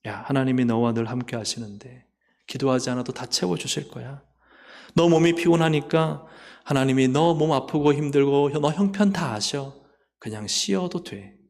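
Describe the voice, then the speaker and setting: A man voicing a tempting male devil, speaking in a soft, soothing, reassuring murmur. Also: high voice, fast talker, vocal fry, few pauses. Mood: coaxing. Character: coaxing male devil lulling believers to complacency.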